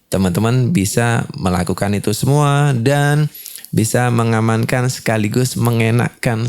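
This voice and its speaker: In this step-by-step tutorial, a man explains the process in a fairly low, darkish voice. He often adds brief confirming tags as he goes.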